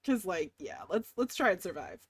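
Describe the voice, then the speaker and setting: A young woman reading a dark visual novel aloud in dramatic first person, breaking off for giggly asides. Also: fairly low pitch, lively intonation, normal speed, no echo. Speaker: streamer playing a game.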